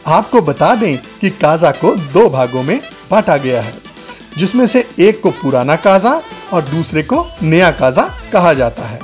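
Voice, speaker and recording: Lively-voiced male travel narrator. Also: on the high side, unhurried. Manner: addresses viewers as friends, guide-like. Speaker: travel vlogger. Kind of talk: scripted travel voice-over. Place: voice-over, not recorded on location. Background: faint background music.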